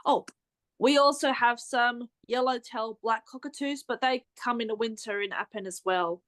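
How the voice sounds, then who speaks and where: A woman's voice: fairly high pitch, normal speed, fairly bright tone, dry recording. A woman chatting casually as a fan panelist, with brief, polite replies. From Australia. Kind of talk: casual chat.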